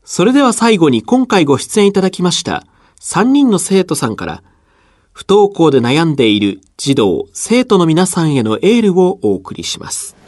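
A man presenting a radio program in a smooth, clear announcing manner. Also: on the high side, big pitch swings, moderate pace, no echo. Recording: dry studio voice over soft guitar.

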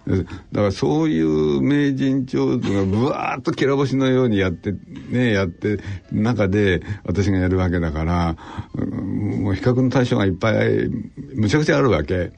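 A middle-aged man talks in a relaxed, chuckling way as a rakugo performer sharing his view on a radio show. His voice sits low and sounds gravelly and a bit husky. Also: normal speed, hardly any pauses. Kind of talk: casual radio chat. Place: radio studio.

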